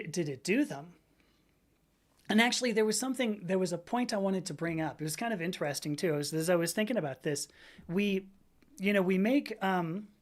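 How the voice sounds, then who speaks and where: A woman in her fifties hosting a livestream, chatting casually in a rambling way, laughing often and reading out viewers' comments. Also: medium pitch. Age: 50s. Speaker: livestream host.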